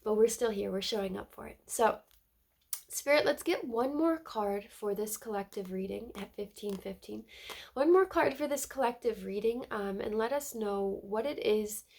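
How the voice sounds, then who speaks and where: A woman's voice: mid-range voice, lively intonation, normal speed, a little mellow. Earnest woman with a stuffy cold. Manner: earnest, emphatic, repeats words and asks "right?". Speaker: spiritual tarot reader. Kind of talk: casual spiritual card reading to camera.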